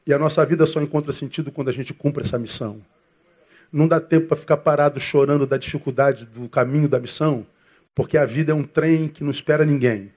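A Brazilian pastor with a notably high voice delivers a sermon. He talks to the congregation like a friend, calling them brother and throwing questions at them. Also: quick pace, darkish tone. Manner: conversational, calls listeners "irmão", asks them questions.

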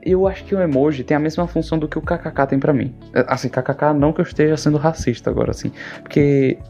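A man's voice: fairly high pitch, fast talker, warm tone, highs cut off, soft background music. A young man from Brazil, hosting a podcast over a video call, rambling jokily and often trailing off and restarting. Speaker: podcast host. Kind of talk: casual rambling monologue. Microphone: video call mic.

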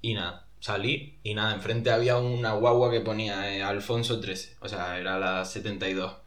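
A man's voice: on the low side, steady tone, normal speed, fairly bright tone, roomy sound. Canarian man telling a rambling story. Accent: Canarian Spanish. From Canary Islands. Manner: rambling anecdotes full of fillers and quoted dialogue. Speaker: podcast co-host. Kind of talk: casual storytelling chat.

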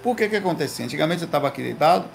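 A man hosting a casual livestream from his home, telling slangy, animated stories to his viewers. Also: on the high side, rapid-fire, vocal fry, a little hiss or hum. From Recife, Brazil. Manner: slangy, animated storytelling with lots of "velho" and "cara". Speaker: livestream host. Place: home room.

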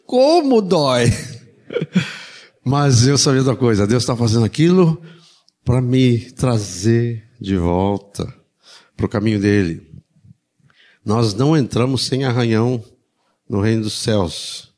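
A man's voice: medium pitch, takes it slowly, pauses often, a little mellow. A man, preaching an informal sermon in a conversational way, full of tag questions and humorous asides.

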